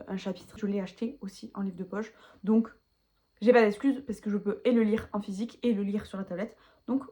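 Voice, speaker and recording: A woman's voice: medium pitch, warm tone. A woman vlogging casually about books she owns but has not read, chatty and self-mocking, rambling with many asides. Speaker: book vlogger. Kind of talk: casual chat to camera.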